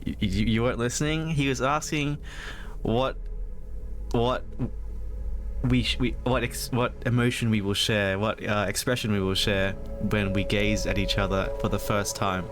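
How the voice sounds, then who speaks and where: Male streamer, slightly low voice, casual deadpan let's play commentary over game music. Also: normal speed. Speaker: streamer playing a visual novel.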